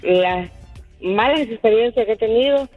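A woman who owns a cleaning company calling in to a radio show, speaking in a halting, measured way. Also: fairly high pitch, no room sound, phone-quality sound, soft background music. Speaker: caller, cleaning company owner. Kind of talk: call-in radio chat.

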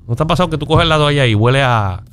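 A man with a Puerto Rican accent hosting a joking radio call-in show, playful and quick to laugh. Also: medium pitch, animated, fairly bright tone, clear, resonant tone. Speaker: radio host taking calls.

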